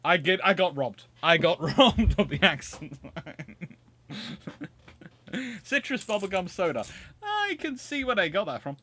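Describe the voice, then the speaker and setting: This male game streamer from England, with a Surrey accent, hosts casual live commentary on a naval strategy game, joking and thinking out loud with frequent restarts. His high voice swings widely in pitch and sounds pushed and bright. He speaks slowly, leaving long pauses.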